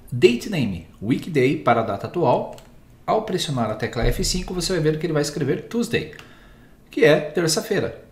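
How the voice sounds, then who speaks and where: In a slightly high voice with a roomy sound, this instructor, a man with a Brazilian Portuguese accent, takes viewers through a software lesson captured on screen. He covers every step in a calm, patient manner.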